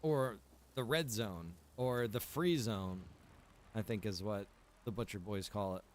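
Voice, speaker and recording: A man's voice: on the low side, a little slow. A laid-back man chatting to viewers in rambling, slangy game livestream commentary. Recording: clearly noisy, background ambience.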